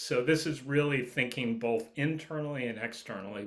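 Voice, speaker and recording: Bright and sharp in tone, the voice moves at a moderate pace with ordinary pitch variation. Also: man. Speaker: nonprofit strategy consultant. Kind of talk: webinar presentation.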